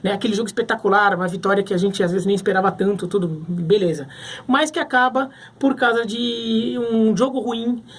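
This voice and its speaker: A man's voice: sits high, fairly even intonation, a little fast, fairly bright tone, breathy edge. A man from Brazil giving casual sports commentary to camera, thinking aloud with frequent restarts.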